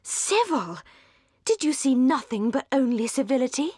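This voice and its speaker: Gushing young schemer, played by a female narrator: breathy, insinuating, falsely sweet, period-novel audiobook, close dry sound. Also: high voice, very animated, normal speed, dark tone, no room sound, pitched above the performer's own voice, exaggerated voice. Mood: gushing, triumphant.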